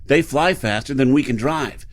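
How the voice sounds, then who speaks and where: A man's voice: medium pitch, normal speed, natural voice. Man voicing boz, plain-talking folksy truck guy from an old-style radio drama. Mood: wary. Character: Boz, grown man, practical mechanic type. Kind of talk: golden-age style radio drama acting.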